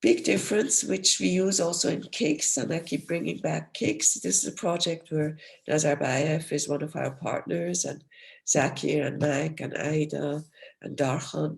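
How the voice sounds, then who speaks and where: A woman professor giving an academic research lecture over a video call in an explanatory, steady way, losing her voice and coughing now and then. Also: low voice, gravelly. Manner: explanatory, steady, apologetic when interrupted.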